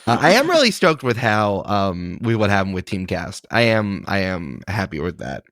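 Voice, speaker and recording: Man, 30s, game master, reflective casual chat, low-pitched, dry sound. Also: very animated, moderate pace, a bit bright, dry recording. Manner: reflective, thinking aloud. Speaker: game master and podcast host.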